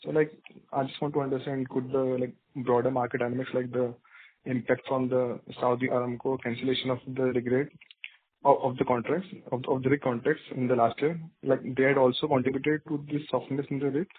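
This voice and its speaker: A man asking a question as an analyst on an earnings call, halting and restarting his phrases. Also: mid-range voice, flat delivery, slightly rough. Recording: narrow tinny phone line.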